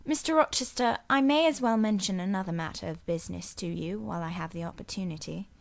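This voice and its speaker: A young governess, courteous and restrained yet quietly firm, as a woman reads her. Her voice sits at an ordinary female pitch. She sounds like a figure from a period storybook drama. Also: fast talker, creaky, natural voice.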